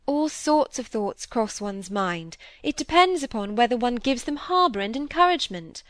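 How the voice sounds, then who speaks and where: Woman reading as earnest gentle young woman, eager, dry sound. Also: fairly high pitch, big pitch swings, moderate pace, no room sound, voice pushed up.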